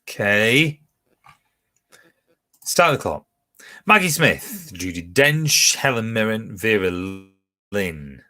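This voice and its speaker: A man's voice: on the low side, very animated, takes it slowly, pauses often, sharp tone. A man hosting a pub quiz from home, chatting casually as he reads out questions, answer options and team scores. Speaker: quiz host.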